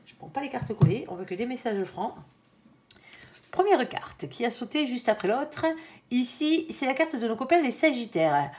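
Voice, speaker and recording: A woman's voice: fairly high pitch, animated, normal speed, a little mellow. A tired woman giving a casual tarot reading, chatty with many fillers and some stumbling. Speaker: tarot reader.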